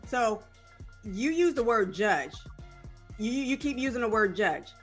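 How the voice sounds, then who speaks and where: A woman in her forties co-hosting a call-in show, answering in a measured, deliberate way and repeating phrases. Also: a little high, lively intonation, faint music behind. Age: 40s. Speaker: talk show co-host. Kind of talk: call-in discussion.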